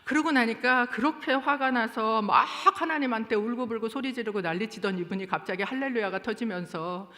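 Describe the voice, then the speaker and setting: A woman's voice: on the high side, a little fast, hardly any pauses. A woman pastor preaching a sermon, telling stories with animation and pressing her points with emphasis. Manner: animated storytelling, rising to emphatic exhortation. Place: church sanctuary. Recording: long church hall reverb.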